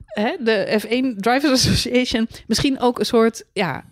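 A woman co-hosting a podcast, chatting animatedly and quickly about motor racing and mocking drivers with put-on quotes. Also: on the high side, no room sound, studio quality. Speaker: podcast co-host.

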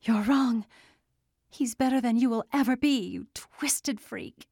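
A defiant young woman in an audiobook, voiced by the narrator confronts a demon. Her voice is raised and strained, pitched above the narration. It is recorded close and dry. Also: a little slow, darkish tone, no room sound.

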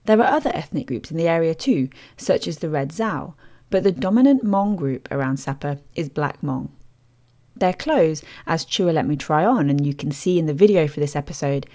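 A woman host reading scripted documentary narration in a measured, descriptive storytelling manner as a studio voice-over. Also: low voice, lively intonation, dark tone.

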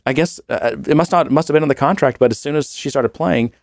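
A man's voice: on the high side, quick pace, a little mellow, no room sound, clean studio sound. A man co-hosting a podcast in casual chat, rambling and laughing often while he has a cold and cough. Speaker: podcast co-host.

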